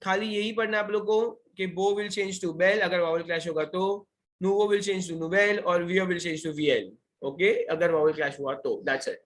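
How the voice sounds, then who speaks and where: In this online French revision lesson, a young man with an Indian accent quizzes his class and repeats what matters most, blending Hindi and English as he goes. He has a high voice, keeps his intonation fairly even, and talks a little slowly.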